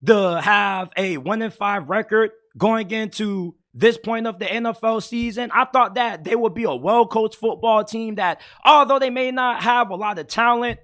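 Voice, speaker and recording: A man with a raspy, hoarse voice giving blunt, opinionated sports talk as a host, getting heated as he goes. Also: sits high, bright, forceful tone. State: hoarse from yelling.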